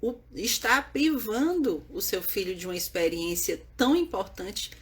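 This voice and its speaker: A woman's voice: medium pitch, lively intonation, moderate pace. A woman who teaches parents about baby sleep, talking earnestly and often checking in with her listeners. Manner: earnest, repetitive, checks in with "né?" and "certo?". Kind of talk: explaining to viewers on camera.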